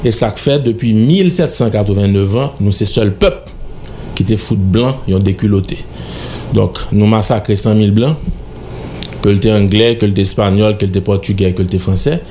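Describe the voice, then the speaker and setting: A man's voice: fairly low pitch, normal speed, dark tone, slight background noise. A middle-aged man with a Haitian accent, a guest in a radio studio interview, speaking in an emphatic, lecturing, insistent way into a studio microphone. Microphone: studio mic on stand.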